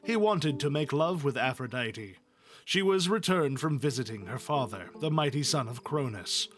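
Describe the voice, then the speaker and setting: A man's voice: medium pitch, lively intonation, moderate pace, a bit bright, soft background music. A man reading epic poetry aloud as a storyteller, in an informal read-along style. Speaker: story reader.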